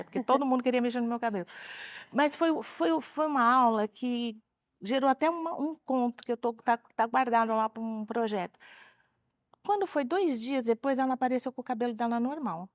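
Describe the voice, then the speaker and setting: Lively woman telling classroom stories. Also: a little high, no room sound, clean studio sound. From Brazil. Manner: animated storyteller, acts out children's voices. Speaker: retired teacher and author, guest. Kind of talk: interview storytelling. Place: TV studio.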